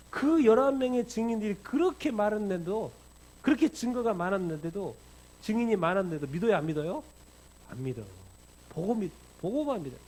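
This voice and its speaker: Preaching a Korean-language sermon, this middle-aged male pastor has a voice that sits high with a darkish tone. He animatedly performs quotations and volleys rhetorical questions, captured on a rough recording with a little background noise.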